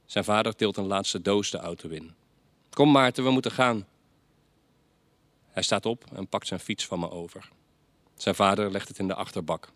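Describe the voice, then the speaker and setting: A man reading stories aloud at a reading night, measured, chatting lightly between pieces. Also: deep voice, fairly even intonation, fairly bright tone, no echo.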